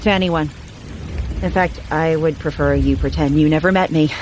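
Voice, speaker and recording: A woman's voice: low voice, steady tone, moderate pace, darkish tone, slight background noise, close to an everyday voice. Woman playing a wry, world-weary underworld dweller. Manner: sardonic, understated. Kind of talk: scripted audio drama acting.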